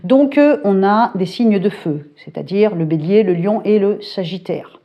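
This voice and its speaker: A middle-aged woman, a psychic YouTuber, chats animatedly to camera from home at a medium pitch, with lo-fi sound. Quick and colloquial, she fills her talk with filler tags and hesitations and describes herself as hyperactive.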